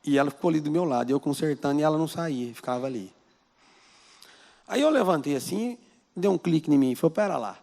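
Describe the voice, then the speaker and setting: A man's voice: a little high, animated, fast, creaky, long pauses, warm tone. A male pastor with a Brazilian Portuguese accent, preaching a conversational sermon in a church and throwing rhetorical questions at the congregation. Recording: long church-hall reverb.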